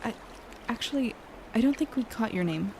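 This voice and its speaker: A woman playing a hesitant, wry young woman in an audio drama, with a halting delivery. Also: on the high side, animated, creaky, a little mellow, slight background noise.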